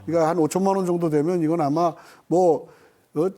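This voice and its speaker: Mellow, quick-talking middle-aged male professor. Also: on the high side, steady tone. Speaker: professor, panel guest. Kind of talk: conversational commentary on a current affairs panel. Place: broadcast studio.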